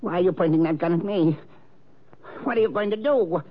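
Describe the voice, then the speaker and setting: A man's voice: mid-range voice, lively intonation, normal speed, over loud music, natural voice. An actor playing a nervous, stammering old male art collector in a 1940s radio drama. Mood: terrified. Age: older. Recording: dull old radio broadcast with faint hiss.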